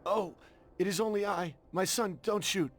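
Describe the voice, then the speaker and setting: An actor playing a solemn, reproachful Catholic priest in a video game drama, with a preaching delivery. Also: male voice, sits high, moderate pace, faint music behind, natural voice. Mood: anguished, reproachful.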